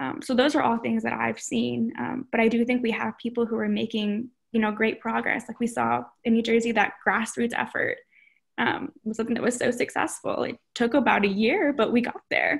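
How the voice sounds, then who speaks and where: A woman with an American accent at a moderate pace, against a quiet background. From US Northeast. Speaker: university sustainability coordinator; panelist. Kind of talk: panel discussion. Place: home room. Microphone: video call.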